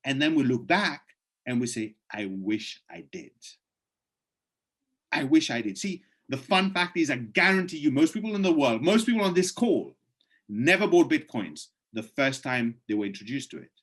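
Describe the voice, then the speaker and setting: A man in a mid-range voice pitches an opportunity over a video call. He is hoarse and clears his throat now and then. He talks in a persuasive, emphatic way and leaps up in pitch when he drives a point home. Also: very animated, normal speed, fairly bright tone. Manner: persuasive, emphatic, rises sharply on key points. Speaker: presenter answering questions. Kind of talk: webinar presentation with live Q&A.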